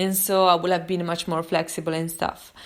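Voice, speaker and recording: A woman speaks in an Italian accent. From Italy. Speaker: podcast host. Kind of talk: casual monologue.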